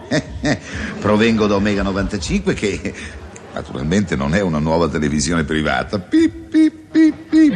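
Comic alien visitor, a man putting it on: robotic bleeps between lines, playful, lower-pitched, very animated. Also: background noise. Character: beeping male alien visitor, friendly and playful. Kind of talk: comic sketch from archive.

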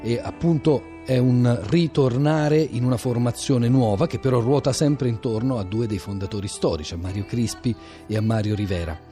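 Male radio host, interview style, soft mellow tone, faint music behind. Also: mid-range voice, moderate pace.

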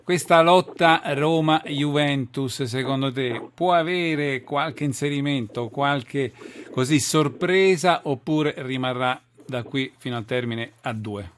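A male radio host with a medium-pitched voice. He presents live sports talk in a chatty, conversational style. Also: slow pace, a little hiss or hum.

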